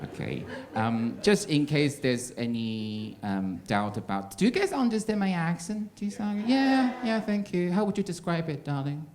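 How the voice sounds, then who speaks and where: Wry gay comedian with slight American twang. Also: male voice, on the high side, very animated, normal speed, hardly any pauses, a little mellow. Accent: non-native English with slight American twang. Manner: dry, wry, chatty with the audience. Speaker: stand-up comedian. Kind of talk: stand-up set. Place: comedy club with live audience.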